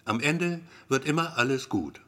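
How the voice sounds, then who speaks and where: A man voicing a brisk, cool female receptionist in white who calls patients in a crisp, formal way. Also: mid-range voice, pushed and bright, close to an everyday voice.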